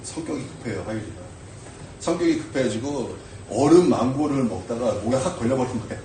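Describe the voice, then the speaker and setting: A man preaching a sermon as pastor, animated and full of rhetorical questions to the congregation. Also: medium pitch, far from the mic, slight background noise. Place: church sanctuary. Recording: echoey church from afar.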